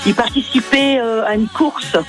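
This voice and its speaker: An older woman from northern France with a northern French accent, calling in to a radio show, friendly and hesitant with many pauses. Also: on the high side, fairly even intonation, over music. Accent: northern French (Flemish area). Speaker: caller.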